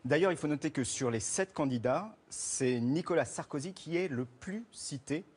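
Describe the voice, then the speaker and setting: Male TV correspondent, fairly high voice, briefing the anchor with numbers in studio. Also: lively intonation, normal speed, darkish tone, breathy edge. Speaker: social media news correspondent. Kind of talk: studio news briefing with figures. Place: TV studio set.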